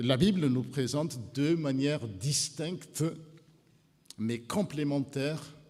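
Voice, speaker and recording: A somewhat breathy man at a fairly high pitch, speaking at a very slow pace with long, frequent pauses. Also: ordinary pitch variation. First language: Malagasy (speaking French). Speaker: pastor. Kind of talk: sermon. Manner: halting.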